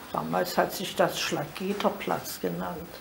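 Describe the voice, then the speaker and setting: A woman's very slow speech is set against noticeable background noise. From Dresden. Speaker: Holocaust survivor, contemporary witness. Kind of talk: interview answer. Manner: conversational, recollecting.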